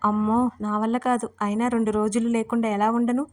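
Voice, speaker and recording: A young married woman answers firmly and sharply, as a woman narrator voices her. Her voice sits a little high and stays level, read like a storybook scene. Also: flat delivery, a little fast, lightly acted. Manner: firm, sharp questions. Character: young married woman, guarded then angry.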